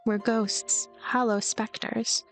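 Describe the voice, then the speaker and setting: A woman's voice: on the high side, level tone, slow pace, faint music behind. A woman voicing a lonely, blunt and protective young ghost girl in a visual novel, earnest and plain-spoken. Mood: defiant, earnest.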